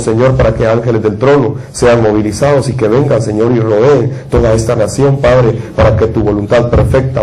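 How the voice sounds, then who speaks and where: Guy preaching, fervent prayer rhythm, keeps repeating lines, mid pitch. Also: warm tone, poor audio. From Guatemala. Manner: repetitive fervent prayer cadence. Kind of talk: sermon with prayer.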